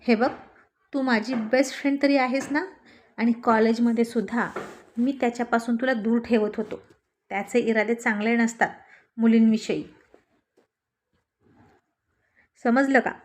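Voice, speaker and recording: A woman's voice: on the high side, steady tone, moderate pace, natural voice. A woman voicing a stubborn, irritable young husband who talks in curt, scolding lines. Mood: angry.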